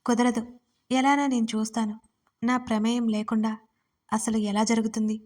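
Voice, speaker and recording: A woman's voice: fairly high pitch, little pitch movement, moderate pace, a little mellow, close to an everyday voice. A woman voicing a sulky, defiant young wife who talks in a pouting, indignant way.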